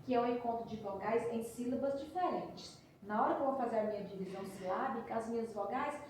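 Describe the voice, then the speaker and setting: A woman's voice: on the high side, a little fast, a little mellow, a little hiss or hum. A woman teacher giving a patient recorded review lesson, explaining step by step and checking in with frequent tags. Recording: roomy echo from a distance.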